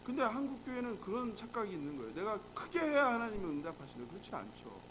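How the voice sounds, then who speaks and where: Male pastor, high and animated, chatty sermon full of questions to the room, faint noise under it. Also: fast. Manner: conversational, asks the congregation rhetorical questions. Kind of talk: early morning prayer sermon.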